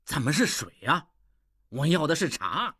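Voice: mid-range voice, big pitch swings, moderate pace, sharp tone, breathy edge, no echo, clean studio sound, full character voice. An actor voicing a boastful ruined scholar. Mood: complaining. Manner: swings between whining and grand boasting. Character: proud penniless young male scholar, boastful. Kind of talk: audio drama acting.

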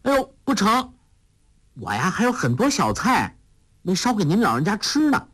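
A man's voice: high-pitched, wildly swooping pitch, a bit bright, pitched above the performer's own voice, heavily acted. A man voicing a clever, playful young woman who talks in a coaxing, sweet way. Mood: pleading. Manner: coaxing, sweet, quick-witted.

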